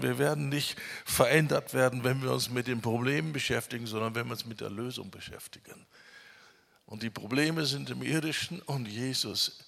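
A man preaching a sermon with emphasis, drawing out key words slowly when he lists them. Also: mid-range voice, creaky, a bit bright. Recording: long reverb of a hall.

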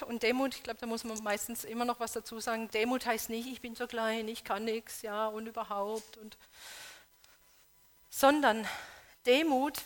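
A woman preaching a sermon, earnestly urging her congregation with questions, moving between loud appeals and soft, hushed emphasis. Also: fairly high pitch.

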